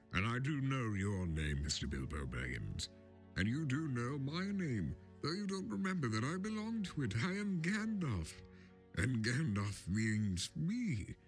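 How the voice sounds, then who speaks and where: An old wandering wizard, voiced by a male storyteller, stern and teasing. He speaks with pedantic weight and widely swinging pitch in this storybook tale, with music underneath. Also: breathy edge, exaggerated voice. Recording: film score music underneath.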